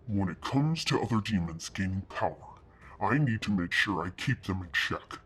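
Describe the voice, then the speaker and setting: A man reading a story aloud and voicing a smug, cruel male devil who mocks and threatens in a husky, sneering drawl. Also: low voice, expressive, moderate pace, soft background music. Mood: menacing. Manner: mocking drawl that turns to quiet threats.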